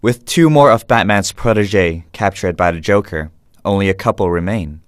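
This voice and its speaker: A man giving solemn, measured scripted narration for an audio drama. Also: low-pitched, no echo, clean studio sound, natural voice. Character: solemn male radio serial narrator.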